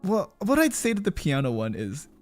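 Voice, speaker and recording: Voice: medium pitch, huge pitch swings, moderate pace, darkish tone, faint music behind. A streamer hosting a casual chat with a guest, chatty and encouraging, with many fillers and restarts. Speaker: streamer host.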